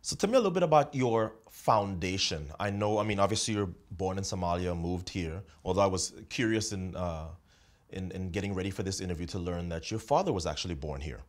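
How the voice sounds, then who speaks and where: Deep-voiced male sports interviewer. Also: a little fast. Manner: leading, probing questions. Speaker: interviewer, host.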